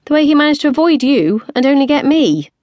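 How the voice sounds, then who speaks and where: Feisty late-20s heroine read by a woman narrator, higher and lively, snappy and indignant. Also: fast talker, dry recording. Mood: wry. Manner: indignant outbursts, shrill when cross. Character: feisty, quick-tempered woman in her late twenties.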